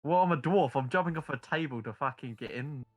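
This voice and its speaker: A man's voice: fairly high pitch, quick pace, a little mellow. A man playing a tabletop game as a player, talking casually with lots of swearing. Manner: crude, swearing, boisterous.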